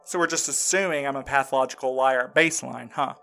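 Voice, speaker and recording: Casting: male actor for shaken, earnest man in an audio drama, mid-range voice, halting and defensive delivery, music underneath. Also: mid-range voice, gravelly, sharp tone. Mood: indignant. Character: shaken, insistent man recounting a frightening ordeal. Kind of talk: audio drama acting, first-person recounting.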